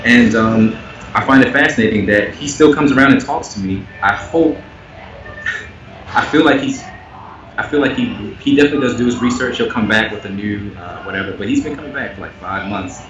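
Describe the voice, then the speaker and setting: Interview guest: earnest man with a low voice, recorded far off the mic in an echoey space. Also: fairly quick. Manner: earnest, animated, rising in pitch when making a point. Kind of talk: candid conversational interview. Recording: echoey, muffled, noisy remote audio.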